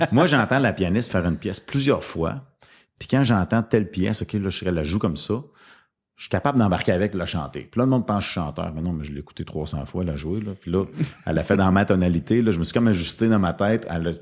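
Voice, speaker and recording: At a very fast pace, a man speaks with a very deep, low pitch and lively intonation. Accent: Quebec. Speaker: restaurant owner. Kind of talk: interview. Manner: casual, with many fillers.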